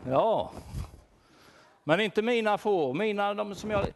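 A man playing a worried shepherd who searches for his lost sheep, speaking with children in a church and asking them to help him look and call out names. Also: sits high. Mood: searching, playful. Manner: animated, asks children questions, calls out names. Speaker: children's talk leader. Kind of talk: playful role-play for children.

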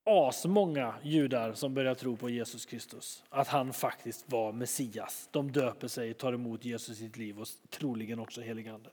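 A man preaching a sermon in a lively, chatty way, retelling stories and acting out scenes. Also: mid-range voice, hardly any pauses, slightly rough, long reverb tail. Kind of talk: sermon, storytelling.

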